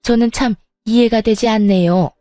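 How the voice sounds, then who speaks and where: A woman's voice: lowish voice, moderate pace, warm tone, no room sound, studio quality, soft background music, close to an everyday voice. A woman voicing an angry middle-aged mother-in-law who scolds and sneers harshly, in a storytelling reading. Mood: sneering.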